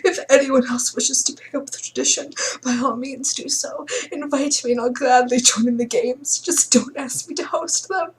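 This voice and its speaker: Woman playing a courtly gentleman host, high-pitched. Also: steady tone, moderate pace, hardly any pauses, lightly acted, poor audio. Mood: gracious, farewell. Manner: formal, courtly speechmaking. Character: gracious aging aristocratic man hosting a grand ball. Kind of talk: acted reading of a visual novel game.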